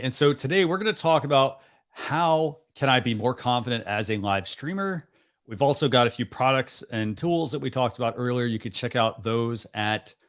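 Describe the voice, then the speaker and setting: A man's voice: mid-range voice, a bit bright. A young adult man hosting a live stream over a video call, chatting loosely with lots of "like" and "you know". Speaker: host. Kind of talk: casual live stream chat.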